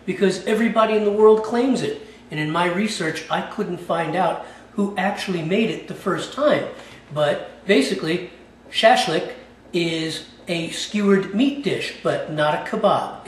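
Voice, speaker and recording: Guy doing a cooking video, kinda high voice, casual and chatty, roomy echo with a little hum behind. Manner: chatty, keeps tagging lines with "okay?". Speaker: cooking channel host. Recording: echoey room, mic a bit far off.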